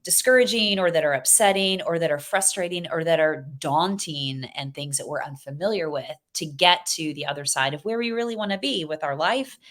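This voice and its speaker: A woman's voice: low voice, fairly quick, few pauses, fairly bright tone. A woman co-hosting a podcast in casual chat, earnest and rambling, often restarting her sentences. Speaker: podcast co-host.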